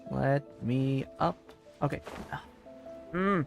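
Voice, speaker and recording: Excitable male game streamer over soft music. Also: medium pitch, extremely slow, gravelly. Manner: slangy, excitable, repeats phrases. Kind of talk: casual live-stream reaction commentary.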